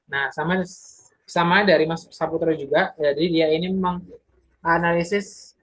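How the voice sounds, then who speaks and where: Young adult community presenter, casual explainer, husky tone, hesitant delivery with frequent fillers. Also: mid-range voice, steady tone, a little slow, a bit bright, rough recording. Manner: hesitant, many filler sounds and self-corrections.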